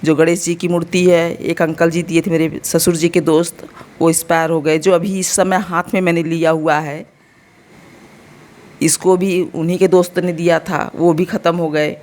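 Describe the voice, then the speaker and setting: Her delivery is flat, her voice on the low side and a little mellow, and she talks at normal speed. A woman in her thirties from India with an Uttar Pradesh Hindi accent and a slightly sore throat, she hosts a casual home vlog, chatting to viewers directly and explaining along the way.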